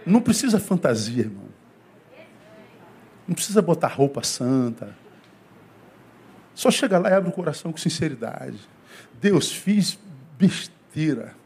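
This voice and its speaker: A man's voice: a little high, big pitch swings, measured pace, long pauses, darkish tone, breathy edge. A man from Brazil, a pastor preaching a sermon in a humorous, slangy, conversational way, mimicking pompous prayers.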